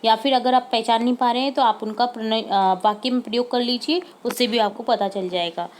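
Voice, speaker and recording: Speaking with fairly even intonation and a fairly high pitch, a female teacher patiently takes students through the worksheet answers. Each word gets repeated slowly, and English words pop up here and there.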